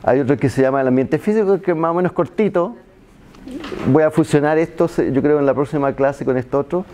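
A middle-aged Chilean man lectures a seated university class in a seminar room with a projector, speaking fairly quickly in a mellow, fairly high voice. He's conversational, tacks "¿ya?" onto nearly every point, and pokes fun at himself. A handheld mic is used while a far-off camera films him.

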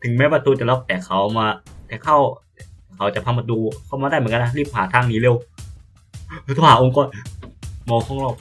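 Excitable young man streaming a game. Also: medium pitch, brisk, soft background music. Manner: excitable, yelps and swears at scares; reads game lines aloud, stammering. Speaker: gameplay streamer. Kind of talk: casual let's-play commentary.

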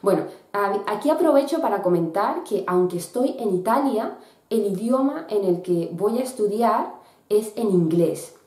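A woman in her thirties talks to camera in a bright room by a window, pausing often with fillers and restarting her sentences. Her voice is soft and mellow, and the room gives it a noticeable echo. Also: medium pitch. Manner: hesitant, many fillers and restarts. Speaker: student vlogger. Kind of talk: casual explanatory vlog.

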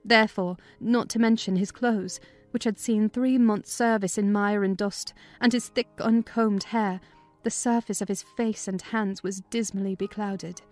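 A woman's voice: mid-range voice, steady tone, measured pace, a little mellow, faint music behind. A woman narrating a classic novel as a scripted, dramatized audiobook reading.

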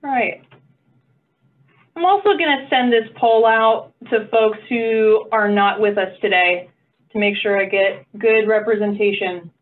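A woman leads a stakeholder meeting on a video call, her medium-pitched voice unhurried and the audio sounding like a phone. As facilitator she stays cheerful and supportive, tossing in playful remarks.

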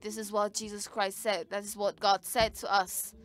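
A woman's voice: medium pitch, flat delivery, moderate pace. A woman giving live interpretation of a sermon, speaking in short bursts with frequent restarts.

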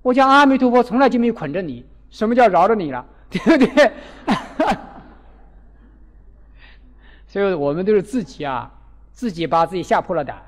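A man giving a Buddhist dharma talk as a lively storytelling sermon, acting out the people in his stories. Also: sits high, normal speed, pauses often. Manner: animated, acts out quoted characters. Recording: long hall reverb.

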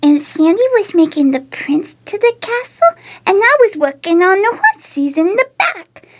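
An earnest little kid, with a very high voice that bounces widely in pitch. The manner is naive and childlike, as in a cartoon demo. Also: female voice, very animated, a little slow, heavily acted. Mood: upset, tattling. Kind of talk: character demo reel.

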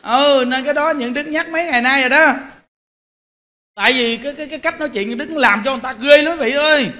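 A Buddhist monk, giving an animated sermon that exhorts his listeners directly. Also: very high-pitched, quick pace.

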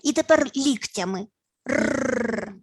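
A woman psychologist leading grounding exercises in an online session, speaking in a slow, instructive way with repeated words and playful sounds. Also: fairly high pitch, lively intonation, vocal fry, a little mellow, breathy edge, no room sound. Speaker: family and child psychologist. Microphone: video call.

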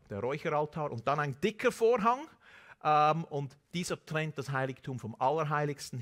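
A man in his forties preaching a sermon on a large church stage through a headset mic, animated and peppered with Amen and Hallelujah. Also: mid-range voice. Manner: animated preaching with Amen and Hallelujah interjections, mixing in English words. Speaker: pastor.

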